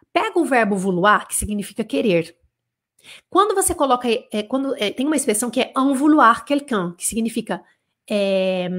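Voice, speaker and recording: Brazilian woman French teacher, slightly high voice, chatty, drills phrases slowly, keeps checking in. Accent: Brazilian Portuguese. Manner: casual, checks in with tag questions, slows down to model French phrases. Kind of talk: live online language lesson.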